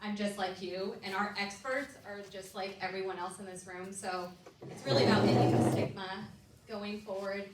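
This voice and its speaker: A woman's voice: mid-range voice, fairly even intonation, moderate pace. A woman hosting a community event, speaking in a casual, improvised and friendly way. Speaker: event host. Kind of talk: casual welcoming remarks. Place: indoor event room, chairs in a circle. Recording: echoey room, distant mic, faint noise.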